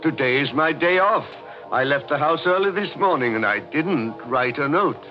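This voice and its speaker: A man's voice: on the high side, lively intonation, normal speed, over music, natural voice. An actor playing a polite but stubborn, watchful male servant, formal and insinuating in 1940s radio mystery style. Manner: formal, deferential yet insinuating. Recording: muffled, noisy old-time radio recording.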